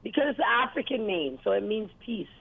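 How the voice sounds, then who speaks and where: A woman's voice: mid-range voice, big pitch swings, quick pace, vocal fry, breathy edge. A woman from Uganda calling into a radio show, patiently repeating and spelling out her words. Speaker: caller. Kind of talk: phone-in chat. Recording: tinny phone line.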